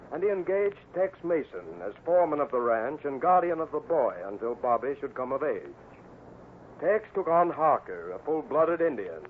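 A man announcing and narrating a scripted story in the style of mid-century radio. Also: medium pitch. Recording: tinny old radio recording, faint hiss.

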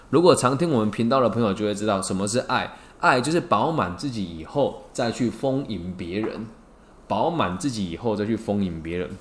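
A man with a Taiwanese Mandarin accent hosting a casual podcast, telling stories animatedly and often checking with listeners. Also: reverberant. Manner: animated storytelling, acts out quotes with big pitch jumps; frequent checking questions to listeners. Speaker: podcast host. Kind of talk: casual podcast talk on a book.

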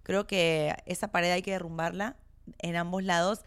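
A woman co-hosting a casual chat with her partner, candid and expressive, laughing easily. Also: fairly low pitch, normal speed, smooth, no room sound. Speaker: co-host.

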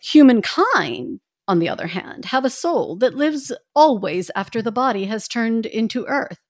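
A woman voicing an ancient, wise grandmother from the sea in a fairy tale read aloud, speaking slowly and solemnly with a lilting old-lady voice. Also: on the high side, big pitch swings, no echo, clean studio sound. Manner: slow, lilting, solemn storybook delivery.

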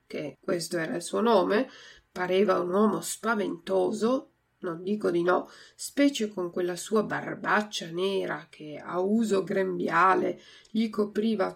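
A woman reading a classic storybook aloud in a lively, expressive way. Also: fairly low pitch, measured pace, gravelly, breathy edge. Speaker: audiobook reader.

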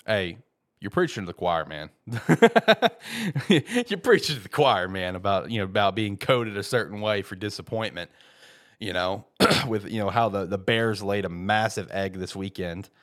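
A man's voice: on the low side, expressive, unhurried, fairly bright tone. A congested man with a head cold hosting a casual sports talk show, rambling with many fillers and restarts and bursting into emphatic peaks. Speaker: podcast host.

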